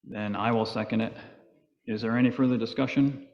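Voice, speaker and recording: A man's voice: medium pitch, fairly even intonation, fairly quick. Plainspoken man chairing a town meeting. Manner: procedural, plainspoken. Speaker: planning board chair. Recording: dull audio in a reverberant meeting hall.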